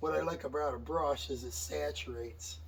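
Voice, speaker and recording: A man's relaxed voice with audible room echo. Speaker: DIY home improvement vlogger. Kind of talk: casual tutorial. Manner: relaxed, hesitant with fillers.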